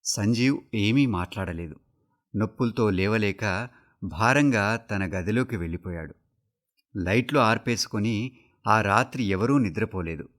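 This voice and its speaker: A man giving a steady, measured reading of a short story for a radio broadcast. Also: fairly low pitch. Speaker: story reader. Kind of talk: scripted radio story narration.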